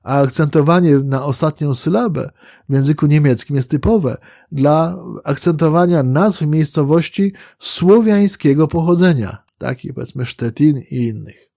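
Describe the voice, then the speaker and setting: Dark-voiced man lecturing with hesitant fillers. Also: a little high, gravelly, no room sound, dull audio. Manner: measured, explanatory, with fillers and self-corrections. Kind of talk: spoken history lecture.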